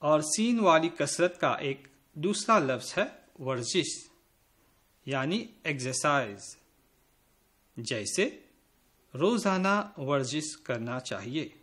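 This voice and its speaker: A man teaching a school lesson to children, speaking slowly and spelling out words letter by letter as he addresses the pupils directly. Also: fairly high pitch, lively intonation, fairly bright tone. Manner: slow, careful spelling out of letters.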